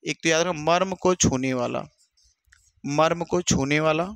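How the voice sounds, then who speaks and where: A man teaching an exam-prep lesson in an animated way, repeating each answer and acting out students' replies. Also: on the high side, unhurried, no echo. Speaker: Hindi teacher.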